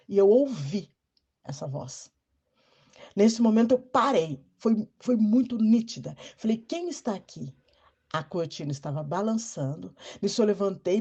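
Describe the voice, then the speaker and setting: A Brazilian woman telling an emotional personal testimony in an earnest, halting way with frequent restarts. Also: on the low side, a little mellow, slightly rough. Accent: Brazilian Portuguese. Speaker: testimony speaker.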